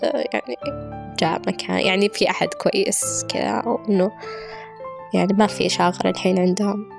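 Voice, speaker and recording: A young woman in her twenties tells her own story quickly and casually, hesitating often and restarting her sentences. Music plays clearly behind her voice. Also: medium pitch, steady tone. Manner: hesitant, many fillers and restarts. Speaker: interviewee. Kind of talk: casual recounting.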